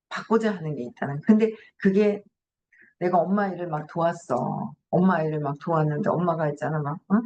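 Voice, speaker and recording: A woman's voice: mid-range voice, darkish tone, a little hiss or hum. A middle-aged woman hosting a morning book talk, reading passages aloud and reflecting on them chattily. She often asks herself questions and laughs as she goes. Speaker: host.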